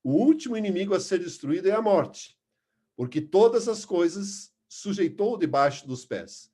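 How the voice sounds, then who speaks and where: A man's voice: sits high, lively intonation, moderate pace, dark tone, slightly rough. A man teaching a Bible lesson, earnest and emphatic, stopping to restart words and reading scripture aloud. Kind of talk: Bible class lecture.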